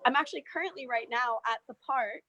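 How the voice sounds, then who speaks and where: A woman actress, originally from Mexico and raised in Ohio, chatting warmly as a guest from a park outdoors. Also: sits high, fast talker, no room sound, muffled recording. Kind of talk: casual interview chat.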